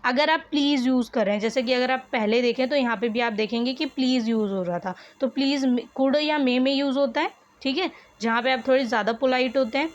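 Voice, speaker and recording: A woman's voice: high-pitched, brisk, hardly any pauses, muffled recording. A woman teacher, explaining a worksheet lesson patiently and repeating each answer for her students.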